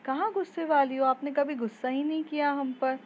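A woman voicing a gentle, caring father who softly coaxes his daughter to talk in a told story. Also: sits high, steady tone, brisk, muffled recording, slight background noise, pitched above the performer's own voice, close to an everyday voice. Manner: soft, coaxing, reassuring.

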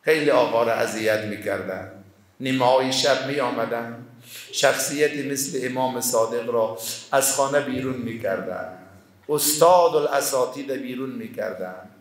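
Afghan preacher in an echoey prayer hall. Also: male voice, medium pitch. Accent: Afghan Dari. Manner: emotional, slows and drops to a soft mournful tone. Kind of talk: sermon with mourning narration.

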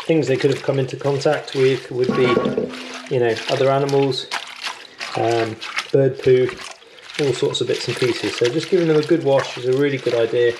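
There's background noise as this English bushcraft instructor, a man in his thirties, delivers a lively how-to lesson on an action camera around a woodland camp and wooden cabin. His voice is medium-pitched and steady, at a normal speed.

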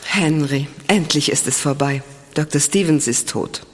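A woman's voice: sits low, unhurried. An actress playing a resolute young woman who slays monsters in a German horror radio play. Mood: relieved, resolute. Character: resolute young woman, triumphant werewolf slayer. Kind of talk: German horror audio drama acting. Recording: long hall reverb.

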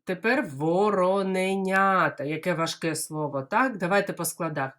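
A Ukrainian woman teaching small children to say words clearly, modelling them slowly syllable by syllable and imitating bird calls. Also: fairly low pitch, a bit bright. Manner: slow, exaggerated syllable-by-syllable modelling; playful bird-call imitations. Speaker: kindergarten teacher. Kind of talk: speech lesson for small children.

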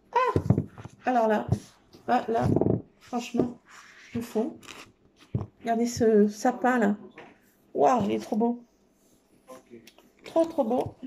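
A woman's voice: a little high, gravelly, mellow, a little hiss or hum. A woman showing off scrapbooking paper in casual chat, enthusiastic and full of fillers. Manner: enthusiastic, many fillers, repeats "trop beau". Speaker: scrapbooking crafter. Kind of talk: casual show-and-tell of craft paper.

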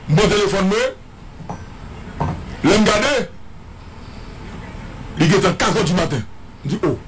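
A guest commentator with a high male voice and a Haitian French accent gives a dramatic, repetitive eyewitness account, imitating the sounds he heard. There's a slight hiss or hum in the recording.

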